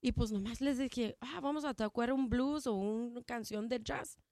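A native English speaker talks in Spanish during a casual interview about her jazz program, halting often with restarts and fillers. Her voice is fairly high and a little mellow, and the recording is clean studio sound with no echo.

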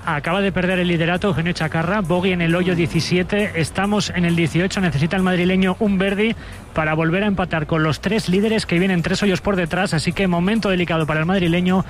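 A man's voice: high-pitched, fairly even intonation, quick pace, faint music behind. A man giving a live golf update on the radio. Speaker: golf reporter.

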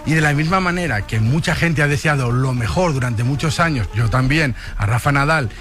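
A man's voice: mid-range voice, brisk, a bit bright, soft background music. A man on a radio panel, speaking eloquently and with emphasis in casual studio chat.

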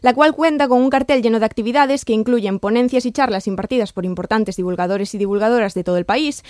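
Brisk woman news reporter. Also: on the high side, darkish tone, no room sound, studio quality. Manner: brisk, polished reading.

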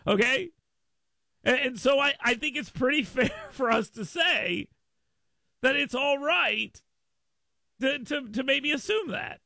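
A man's voice: very high-pitched, animated, slow pace, vocal fry, pauses often, pushed and bright, dry recording, clean studio sound. A man hosting a talk radio show with a brash, sarcastic, riffing manner. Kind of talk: talk radio monologue with live read ad.

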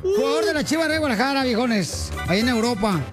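A man hosting a radio show, joking loudly and calling his listeners countrymen. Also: extremely high pitch, sing-song, fast talker, music in the background. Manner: rowdy, joking, calls listeners "paisanos". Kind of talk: playful radio banter.

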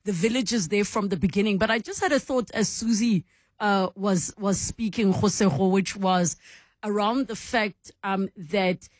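A woman's voice: mid-range voice, moderate pace, dry recording. Woman radio host. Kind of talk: talk radio hosting. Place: radio studio.

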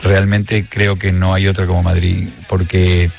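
A man with an Argentine accent, a guest on a radio show, talking in a reflective, measured way with frequent pauses and restarts. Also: low voice, monotone, creaky, soft background music. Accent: Argentine Spanish. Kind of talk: relaxed radio conversation.

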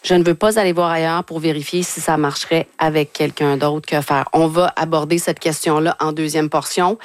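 A Québécois woman hosting a radio advice show, briskly reading listener emails aloud in a studio. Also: deep voice. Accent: Québécois French. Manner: brisk, upbeat, reads letters aloud. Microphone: studio microphone.

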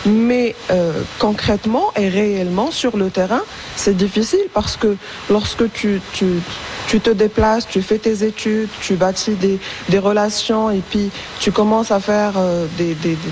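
A woman's voice: mid-range voice, steady tone, a little slow, background noise. A young woman whose first language is Arabic, answering radio interview questions hesitantly with many fillers and restarts. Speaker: interview guest, school support worker.

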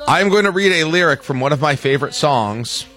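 An American man hosting a morning radio show with casual, joking banter and halting self-corrections, close on a studio microphone. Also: a little high, lively intonation, fairly bright tone, faint music behind.

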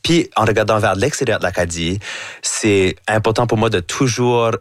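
A man's voice: fairly low pitch, normal speed, dry recording. A young man with an Acadian French accent, speaking as a drag artist guest in a studio interview, sprinkling English words and fillers through his talk. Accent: Acadian French (chiac). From Acadia, Canada.

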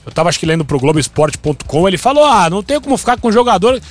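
A man, hosting a sports talk show in a chatty, animated way, with frequent restarts. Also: high voice, racing.

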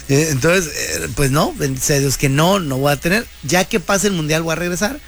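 A man's voice: on the high side, normal speed, vocal fry, fairly bright tone, slight background noise. A man, hosting a radio show in a joking, slangy monologue. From Mexico. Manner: joking, slangy, playful banter. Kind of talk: casual comedic radio monologue.

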